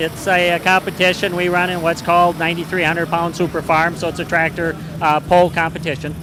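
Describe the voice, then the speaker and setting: A man with an Upper Midwest accent talks at a very fast pace, hardly pausing, in a high pitch and monotone, flat intonation. Noticeable background noise runs behind him. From northern Wisconsin. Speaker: tractor puller. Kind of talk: interview.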